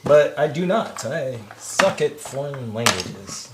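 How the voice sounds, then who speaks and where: A man's voice: medium pitch, very animated, echoey room, very noisy. A man guesting on a casual livestream, joking and reading out viewer comments. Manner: joking, slow and drawn-out, reads chat aloud. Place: workshop.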